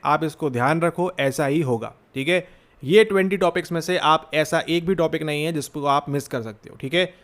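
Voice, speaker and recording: A man's voice: on the high side, a bit bright. A man giving a motivational exam-prep lecture as a coaching teacher, urgent and exhorting, checking in again and again with his students. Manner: urgent, exhorting, repeats "theek hai?" often.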